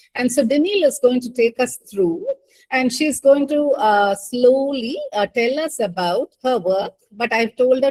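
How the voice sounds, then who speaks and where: Lively intonation runs through a woman's speech. Her pitch is high. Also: dry, close sound with no echo. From India. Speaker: event moderator. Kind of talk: talk introduction.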